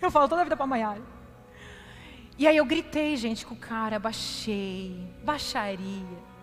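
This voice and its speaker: A woman's voice: fairly high pitch, a little slow. A woman pastor, giving a sermon and telling a self-mocking personal story while addressing the congregation directly. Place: church hall, preaching from a stage. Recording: long hall reverb with faint music.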